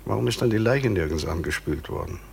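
Probing justice official, lowish voice, measured insistent questions, radio crime drama, faint noise. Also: male voice, animated, gravelly, darkish tone. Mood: sceptical, pressing. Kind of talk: German radio play acting.

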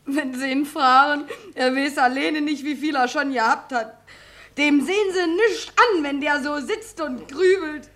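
Radio-play Berlin working girl: high voice, pert, Berlin accent. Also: unhurried, a bit bright. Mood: knowing.

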